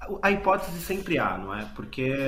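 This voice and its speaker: Noticeable background noise and audible room echo surround this recording. A man speaks with ordinary pitch variation. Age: young. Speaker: climate activist. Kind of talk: panel discussion.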